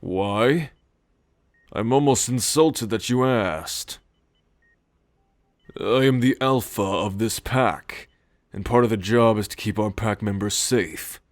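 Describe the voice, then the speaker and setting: A man acting as a proud, stoic werewolf pack leader in an audio roleplay, speaking with deliberate, calm authority. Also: fairly low pitch, dry recording. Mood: proud, resolute. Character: proud, stoic male werewolf pack alpha, newly injured. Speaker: voice actor. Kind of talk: audio roleplay drama, spoken to the listener.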